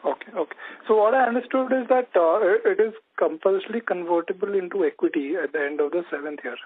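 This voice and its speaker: Male analyst caller, slightly high voice, tentative questioning, narrow phone band. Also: quick pace, dry recording. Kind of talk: unscripted questioning. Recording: dry, narrow telephone line.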